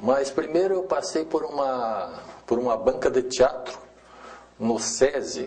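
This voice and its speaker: Lively intonation comes at a fairly slow pace over noticeable background noise. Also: man. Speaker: radio actor. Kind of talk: interview answer. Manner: casual, reminiscing.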